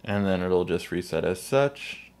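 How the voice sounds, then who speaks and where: Low-voiced man giving a tech tutorial. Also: lively intonation, measured pace, a little mellow, smooth. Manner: spells out his name letter by letter in intro and sign-off. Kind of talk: casual step-by-step phone tutorial narration.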